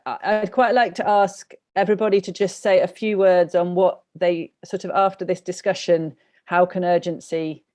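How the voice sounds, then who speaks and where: Mellow British woman moderating an online panel. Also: on the low side. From Britain. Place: online video conference.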